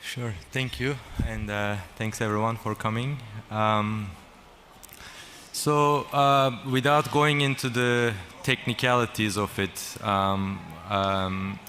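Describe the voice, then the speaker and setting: A man from Turkey speaking as a panel guest at a conference, slow and halting with many ums and restarts. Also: lowish voice, steady tone, sharp tone. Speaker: panel guest, company founder. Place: conference stage. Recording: large hall with faint noise.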